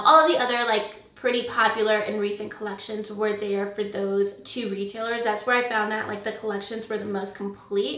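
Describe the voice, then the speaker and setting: A woman's voice: a little high, a bit bright, recorded from a distance. Chatty young woman in an echoey room. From USA. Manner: chatty, many fillers like "um" and "like". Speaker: beauty vlogger. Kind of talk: casual chat to camera. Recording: echoey room, voice slightly off-mic.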